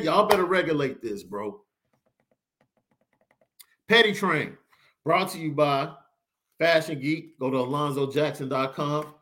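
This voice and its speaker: Male podcast host, excitable slangy sports talk, lively pitch. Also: slight background noise. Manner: excited, slangy, reads super chats. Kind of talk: animated sports podcast banter.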